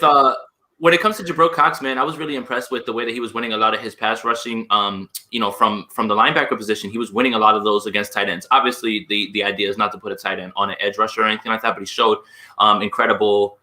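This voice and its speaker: A man on a video call, loud and enthusiastic, rambling casually about game film he watched. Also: on the low side. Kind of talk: casual sports analysis.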